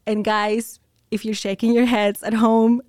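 A woman's voice: fairly high pitch, little pitch movement, measured pace, a little mellow, no echo, studio quality. An American woman, a nurse, telling her personal story as an interview guest, reflective and candid, with many ums and restarts. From United States.

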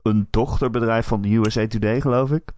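A man's voice: medium pitch, fairly even intonation, fairly quick, darkish tone, no room sound. A man co-hosting a podcast in casual chat, plainspoken and given to dry teasing. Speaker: podcast co-host.

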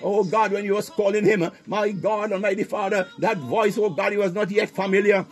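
A man's voice: high-pitched, steady tone, fairly quick. A man leading a fervent, unscripted Christian prayer as a preacher, impassioned and punctuating his phrases with exclamations of praise.

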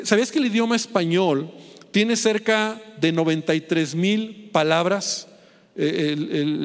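A man's voice: sits high, long reverb tail. A middle-aged man preaching a sermon, chatting with the congregation and checking in with constant tag questions.

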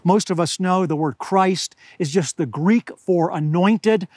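An older man preaching a sermon outdoors at high altitude, slightly hoarse, earnest and deliberate, slowing down to stress key words. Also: darkish tone, no room sound, studio quality. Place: outdoors among pine trees at high altitude.

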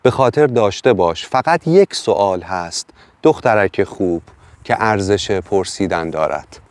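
A man voicing a wise wolf from another time in a storybook reading, speaking low and slow. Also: expressive, a little mellow. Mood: solemn.

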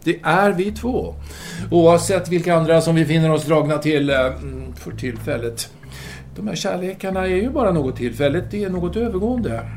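A man acting as a self-absorbed intellectual lover in a radio play. His voice sits fairly high and moves in lively swings, with formal phrasing broken by theatrical hesitations. He is earnest and self-justifying, over faint background noise. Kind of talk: audio drama dialogue.

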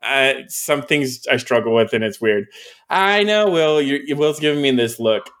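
A man's voice: mid-range voice, expressive, unhurried, a bit bright. A man hosting a podcast, asking questions in a thoughtful, hesitant way. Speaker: podcast host. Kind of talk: casual chat.

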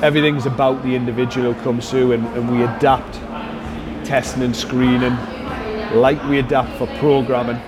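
A man's voice: medium pitch, flat delivery, normal speed, crowd noise. A man speaking as a performance coach in an interview, explaining things conversationally and circling back with frequent "you know".

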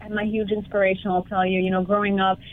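A woman's voice: mid-range voice, little pitch movement, fast, no room sound. Earnest woman on a tinny line. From Congo. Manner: earnest and heartfelt. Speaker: home decor creator, podcast guest. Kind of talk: casual interview conversation. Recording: tinny phone-like line, dry.

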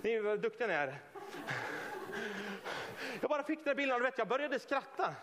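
A man preaching a lively, informal sermon in a church hall, joking and acting out scenes. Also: very high voice, noisy background.

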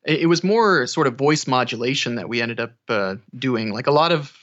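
A man's voice: medium pitch, expressive, moderate pace, fairly bright tone, muffled recording. A man speaking casually as a guest audiobook narrator in a conversational interview.

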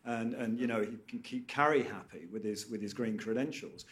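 A man arguing on a debate panel, stressing words with sudden loud bursts. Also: mid-range voice, fairly quick. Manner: emphatic, swings sharply in loudness for stress. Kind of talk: debate argument.

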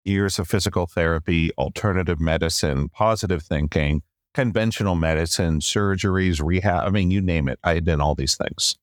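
A middle-aged man with a deep, low voice tells his story as a podcast guest. His delivery is animated and conversational, full of asides. The sound is close and dry, with no room around it. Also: normal speed, no echo. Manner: animated storyteller, often says "long story short" and "right?".

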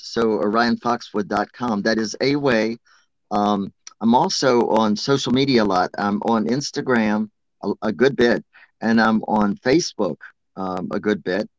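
A man's voice: fairly low pitch, no room sound, rough recording. A man from Appalachia, a guest teacher, earnestly explaining witchcraft rituals in casual conversation. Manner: earnest, chants and sings ritual verses.

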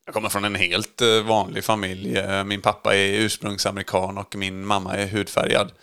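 A self-assured champion with a low, gravelly voice, played by a man in a comedy sketch, pausing on frequent ums. The sound is dry and close. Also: monotone, bright, forceful tone, dry recording. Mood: smug. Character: smug male champion interviewed on a studio show.

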